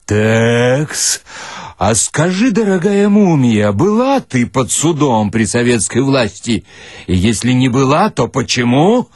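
A man's voice: mid-range voice, sing-song, slow, a little mellow, no room sound, clean studio sound. A man voicing a brash provincial chairman who needles and blusters through questions in a dramatic story reading. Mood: mock-polite needling. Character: brash provincial chairman interrogating a sideshow mummy.

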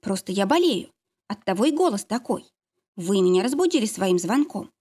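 Woman voicing a croaky, drowsy sick mum, soft-spoken, storybook role. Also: medium pitch, big pitch swings, normal speed. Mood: calm, puzzled. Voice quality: hoarse, sleepy. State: ill, just woken. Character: sick, sleepy, gentle mother, adult woman.

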